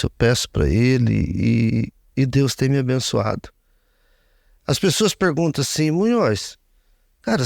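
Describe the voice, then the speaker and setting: A man's voice: medium pitch, vocal fry, no echo, studio quality. A man in his fifties, a radio broadcaster, giving an earnest interview testimony and speaking often of his faith. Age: 50s.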